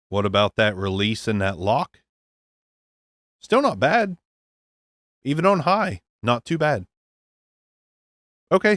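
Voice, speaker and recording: A man reviewing gear in a relaxed, off-the-cuff way, blunt and sometimes swearing. His voice sits at a middle pitch and the sound is dry and close to the mic. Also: no room sound. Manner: blunt, profane, thinking aloud.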